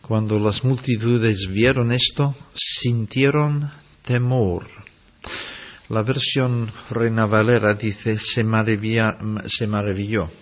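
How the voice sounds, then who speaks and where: A man delivers a sermon at a very slow, measured pace, his voice slightly husky. He acts out short quotes to drive his points home. The recording is dull and lo-fi. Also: on the low side, steady tone. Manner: slow, deliberate preaching with dramatic acted quotes. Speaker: preacher.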